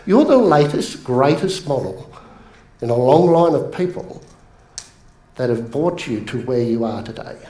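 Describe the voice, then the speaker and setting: An energetic Australian man on stage at a business seminar, joking with the crowd. His slightly high voice rings around a large echoey room. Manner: energetic, jokey, addresses the crowd. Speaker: motivational speaker. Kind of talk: motivational seminar talk.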